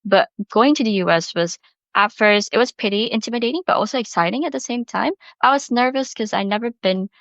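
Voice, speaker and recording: A woman's voice: on the high side, brisk, fairly bright tone, dry recording. Chatty young Indonesian-accented woman, slightly dull audio. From Bali, Indonesia. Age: early 20s. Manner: chatty, informal, frequent "like". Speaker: podcast guest, university student. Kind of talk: casual personal storytelling.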